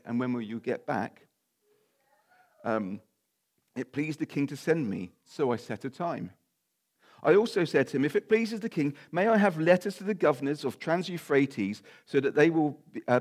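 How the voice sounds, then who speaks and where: A man preaching a sermon and reading scripture aloud, his voice croaky and a little nasal from a cold, with informal asides. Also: on the high side, darkish tone.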